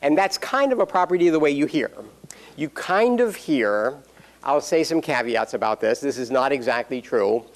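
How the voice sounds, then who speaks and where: A man's voice: mid-range voice, lively intonation, normal speed. A man giving a university lecture, explaining step by step with dry jokes and frequent "um"s. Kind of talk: classroom lecture.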